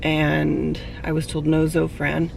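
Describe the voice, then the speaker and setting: Hoarse, gravelly woman vlogging outdoors. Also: deep voice, completely flat delivery, takes it slowly, music in the background. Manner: candid, chatty, explaining. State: hoarse, losing her voice. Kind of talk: casual vlog talk. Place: outdoors near traffic and parking lots. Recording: distant mic with street noise.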